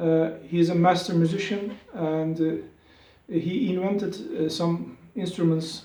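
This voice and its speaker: With a Turkish accent and a high pitch, a man speaks at a very slow pace with fairly even intonation and hardly any pauses, amid audible room echo and noticeable background noise. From Turkey. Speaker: instrument maker and law academic. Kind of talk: informal video tutorial. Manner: hesitant, many filler sounds.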